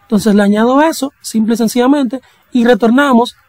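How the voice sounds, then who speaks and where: A young adult coding instructor walks through a tutorial in an easygoing, conversational manner. The voice sits at a middle pitch. It is recorded dry, with almost no room sound. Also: fairly quick, a little mellow, dry recording, poor audio. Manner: casual, chatty teaching with slang and jokey asides. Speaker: programming instructor.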